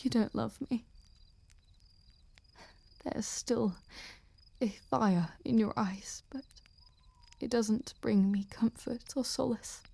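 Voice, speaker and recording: A woman playing an obsessed, cruel ice queen general in a dramatic audio roleplay, halting and intense, often breathy. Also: fairly high pitch, warm tone, full character voice. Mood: bitter, heartbroken.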